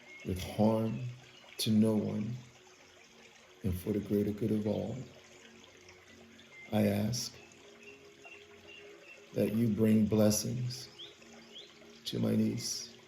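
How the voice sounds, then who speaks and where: Over noticeable background noise, a man speaks at a very slow pace. He leaves long, frequent pauses and keeps his intonation fairly even. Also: fairly low pitch for a man. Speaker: radionics pendulum kit maker. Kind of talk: spoken invocation.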